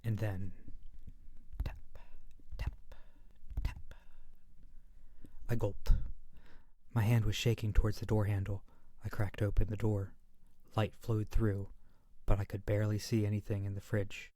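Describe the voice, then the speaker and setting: Casting: friendly under-the-bed monster played by a man, soft and breathy, mellow, gentle, sheepish, playful, ASMR roleplay delivered right on the mic. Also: lowish voice, flat delivery, a little slow, pauses often, dry recording. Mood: hushed storytelling. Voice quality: soft, breathy, often near-whisper. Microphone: very close to the mic.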